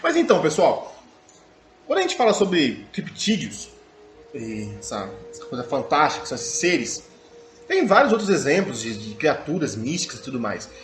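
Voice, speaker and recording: A man's voice: fairly high pitch, wildly swooping pitch, moderate pace, echoey room, faint music behind. A young Brazilian man co-hosting a podcast, joking in slangy casual banter with friends. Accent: Brazilian Portuguese. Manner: slangy, jokey, laughs often. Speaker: podcast co-host.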